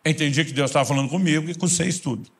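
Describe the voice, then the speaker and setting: A Brazilian preacher with a husky voice pitched a little above most men's. He tells a story as a sermon, getting loud and pressing at times, then dropping to an intense hush. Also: rapid-fire. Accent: Brazilian Portuguese. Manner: animated, swings from loud bursts to hushed intensity. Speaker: pastor.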